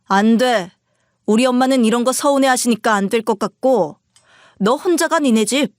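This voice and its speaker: A woman's voice: a little high, normal speed, dry recording, studio quality, natural voice. A woman voicing a rude, arrogant husband who talks in curt, dismissive orders.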